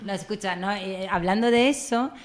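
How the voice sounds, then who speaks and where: A woman from Italy, native Italian speaker, talking with an Andalusian Spanish accent from Cádiz as an interview guest, lively and quick to laugh as she tells stories. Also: mid-range voice, a loud crowd. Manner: lively storyteller, laughs often, quick fillers. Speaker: guest actress. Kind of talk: casual interview chat.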